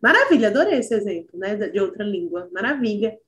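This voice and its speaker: A woman's voice: medium pitch, very animated, a little fast. A woman teacher giving encouraging feedback to students in an online class, speaking over a video call and thinking aloud with fillers.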